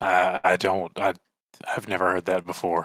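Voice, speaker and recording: A man uses a put-on character voice that is raspy and very deep, low in pitch, talking at a moderate pace with monotone, flat intonation. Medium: actual play. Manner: stammering, hesitant.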